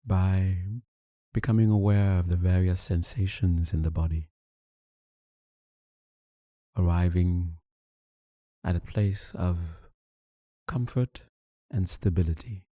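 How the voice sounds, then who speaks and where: A man with a very dark, mellow voice guides a meditation in a low register. He gives soothing instructions in short phrases and leaves long, unhurried pauses between them. The sound is close and dry. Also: dry recording. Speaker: meditation teacher.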